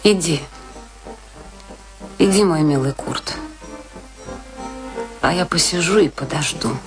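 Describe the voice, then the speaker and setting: An actress playing a bitter, vengeful, proud wife in a radio play, with theatrical, scornful, emphatic delivery. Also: female voice, low voice, slow, music in the background. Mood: dry, watchful. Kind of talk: Russian radio play acting. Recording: noisy old radio drama recording with clicks.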